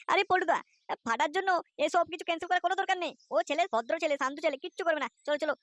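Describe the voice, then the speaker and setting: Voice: very high voice, very fast, fairly bright tone, no echo, studio quality. An actor voicing a carefree, boastful, boozy layabout father in a comic cartoon, with a West Bengal accent and slangy, cajoling banter.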